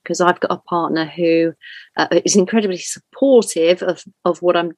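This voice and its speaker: A woman's voice: lowish voice, normal speed, darkish tone, no echo. A woman hosting a podcast on spirituality, effusive and encouraging as she interviews her guest. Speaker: podcast host.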